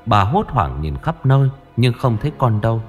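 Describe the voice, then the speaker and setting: A man narrating a ghost story in a lively way. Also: medium pitch, normal speed, slightly rough, dull audio, faint music behind.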